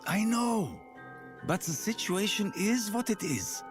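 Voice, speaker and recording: An actor playing a sly, evasive black-market smuggler in a video game, with a conspiratorial manner. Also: male voice, sits high, expressive, slow pace. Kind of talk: video game character dialogue. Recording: music clearly under the voice.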